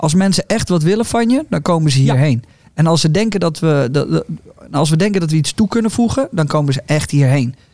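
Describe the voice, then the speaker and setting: Fairly high in pitch, a man talks at a fairly quick pace with a dark, mellow tone, lively intonation and very even loudness. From Netherlands. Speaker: podcast host. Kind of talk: casual chat.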